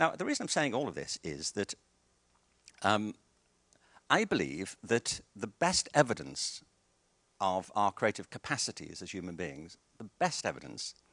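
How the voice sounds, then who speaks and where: In a very clean recording with a silent background and a dry, close sound with no echo, a man speaks with vocal fry, long, frequent pauses and big swings in loudness. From England, Liverpool. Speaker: keynote speaker. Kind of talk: keynote talk. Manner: conversational.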